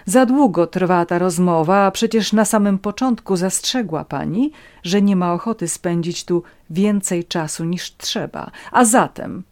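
A woman's voice: lowish voice, measured pace, hardly any pauses, darkish tone, natural voice. Woman doing a proud, wounded young woman. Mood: defiant. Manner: tense, bitter, defiant.

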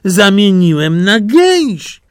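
A simple, good-natured old farmer from a storybook talks earnestly in a raised, lively voice, as a male narrator puts him on. He speaks slowly, close to the mic in a dry room. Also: high-pitched, smooth, no echo, pitched above the performer's own voice, full character voice.

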